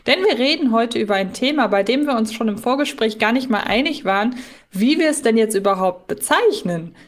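Woman podcaster chatting casually, voice a bit on the high side. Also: lively intonation, a little fast. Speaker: podcast co-host. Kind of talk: casual fan podcast chat.

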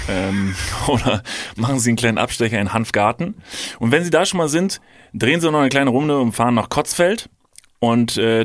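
Young male podcast co-host, mid-pitched voice, joking banter, dry close mic. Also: no echo. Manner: jokey, lists things, laughs at own jokes. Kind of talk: casual comedic chat.

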